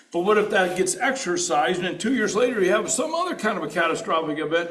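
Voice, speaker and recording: Amid noticeable background noise and audible room echo, a man with a Pacific Northwest accent talks at a fairly quick pace. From Oregon, Troutdale area. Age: 70s. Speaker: resident giving public comment. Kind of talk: public comment at city meeting. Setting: public meeting hall. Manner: halting.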